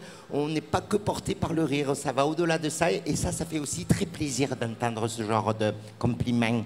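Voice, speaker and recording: A man with a southern French accent speaks at a moderate pace and a fairly high pitch. His intonation is lively, and background noise is noticeable. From southern France. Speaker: comedian. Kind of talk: casual interview. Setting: festival dressing-room studio. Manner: animated.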